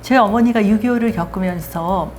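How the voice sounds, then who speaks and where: An older woman hosting her own show, telling her life story in a lively, self-mocking way. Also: medium pitch, a little fast, soft background music. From Daegu, South Korea. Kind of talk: casual storytelling chat.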